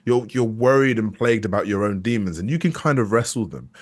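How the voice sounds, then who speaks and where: A man's voice: on the low side, lively intonation, brisk. A young adult man, an actor interviewed as a guest, talking casually and candidly, often restarting his sentences as he thinks aloud. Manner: candid and reflective, with frequent restarts and hesitations.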